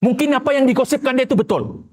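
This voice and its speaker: Very high-voiced male pastor preaching. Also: fast. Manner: animated, rhetorical questions, acts out quoted voices. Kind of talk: sermon.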